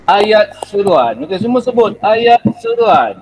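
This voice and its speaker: A male teacher with a Malaysian Malay accent coaxes his pupils through an online class. His voice sits high, and he fills his pauses with "ah" and "ya". A faint hiss runs under the video-call audio. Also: very animated, a little mellow, rough recording. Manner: coaxing, repeats "ah" and "ya" often. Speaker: primary school teacher.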